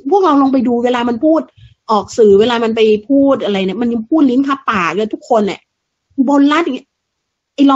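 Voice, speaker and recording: A woman's voice: high-pitched, a little mellow. A woman giving a fiery, blunt political monologue, crude and mocking, full of rhetorical questions. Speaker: political commentator. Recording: dull lo-fi sound.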